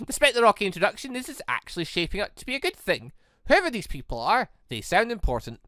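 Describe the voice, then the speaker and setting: Man playing a cheeky, animated young hero. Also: high voice, fairly quick, no echo, clean studio sound, voice pushed up, heavily acted. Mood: upbeat musing.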